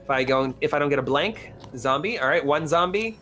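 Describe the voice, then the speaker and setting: A man playing a tabletop game, talking casually in a joking, animated way. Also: on the high side, a little fast, faint music behind. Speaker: board game player.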